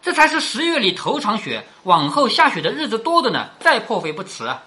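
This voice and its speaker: A woman's voice: on the high side, very animated, fairly quick, sharp tone. A woman reading the lines of a jovial, teasing elderly matriarch from a classic novel. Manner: read aloud from a classic novel.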